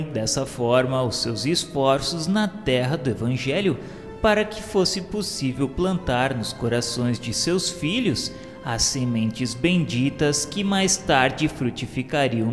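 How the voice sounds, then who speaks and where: Slow, solemn Brazilian man narrating in long reverb. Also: medium pitch, expressive. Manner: solemn, formal, measured delivery. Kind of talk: solemn scripted narration of a religious radio novela. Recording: long reverb, music underneath. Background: music.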